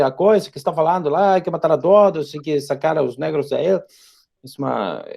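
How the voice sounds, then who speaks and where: A man with an Argentine Spanish accent and a soft, mellow, mid-range voice mixes Portuguese with Spanish in what sounds like an informal online lecture. A native Spanish speaker working as a professor or guest lecturer, he halts and repeats small words while searching for phrasing, often ending lines with a short tag question.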